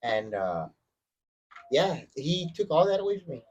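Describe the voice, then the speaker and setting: A man in a casual podcast chat, telling his story in a halting, roundabout way and swearing now and then. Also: on the high side, sing-song, a little mellow, muffled recording. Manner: halting, many fillers and restarts, swears. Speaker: podcast guest.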